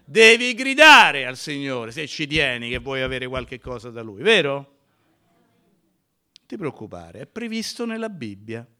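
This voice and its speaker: A male pastor preaching a sermon in a church, emphatic, swinging from loud cries to near whispers. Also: medium pitch, very animated, unhurried, smooth.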